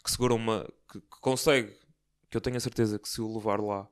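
A man's voice: lowish voice, steady tone, fast talker, clean tone. A man in a casual podcast chat who rambles and keeps circling back to repeat his point. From Porto, Portugal.

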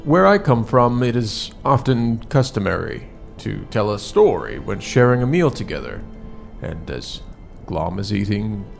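Male tabletop storyteller, low and animated, formal measured phrasing, faint music behind. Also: vocal fry. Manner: formal, measured, halting wording. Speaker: player in a tabletop roleplaying game. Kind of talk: improvised in-character storytelling.

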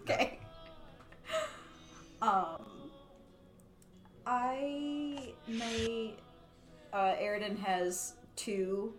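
A woman's voice: fairly high pitch, drawn-out words, long pauses, music in the background. A woman player chatting casually during a tabletop game, hesitant with many ums and frequent laughs.

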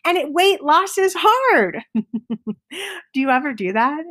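A middle-aged woman hosting a motivational podcast, enthusiastic, sometimes dropping to a soft whisper for emphasis. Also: high voice, big pitch swings, unhurried. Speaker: podcast host.

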